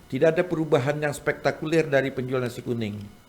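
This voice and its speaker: A man speaks with vocal fry. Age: 60s. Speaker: cultural figure. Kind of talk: podcast interview. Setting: studio. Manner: animated.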